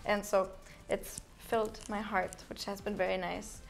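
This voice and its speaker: A woman's voice: mid-range voice, level tone, normal speed, gravelly. A young woman from Finland, a singer, answering interview questions in a casual, upbeat way with frequent laughs and lots of "like". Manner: upbeat, laughs often, says "like" a lot.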